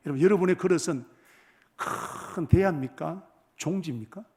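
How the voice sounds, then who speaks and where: A male pastor delivers a sermon in a church sanctuary, his voice sitting a little higher than most men's. He keeps turning questions on the congregation and drops to near whispers before surging loud again. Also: normal speed. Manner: asks the congregation rhetorical questions, loudness swings from hushed to forceful. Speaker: senior pastor.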